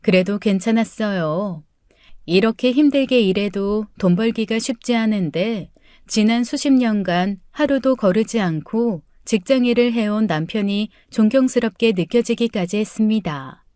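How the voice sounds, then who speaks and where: A woman's voice: mid-range voice, warm tone, dry recording, studio quality. Woman narrating a story in the first person. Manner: measured, earnest storytelling.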